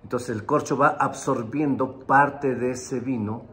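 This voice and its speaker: A man's voice: mid-range voice, fairly even intonation, measured pace, a bit bright. A man co-hosting a wine segment, explaining in a teaching way and addressing viewers directly. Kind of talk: explanatory wine tasting talk.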